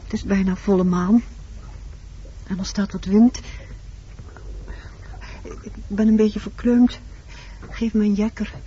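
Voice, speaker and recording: A woman's voice: medium pitch, steady tone, unhurried, pauses often, mellow, lightly acted. An actress in a Dutch radio play voicing an insistent, haunted woman who pleads in a brooding, dramatic manner. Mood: restless, pleading. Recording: dull, noisy old radio play recording.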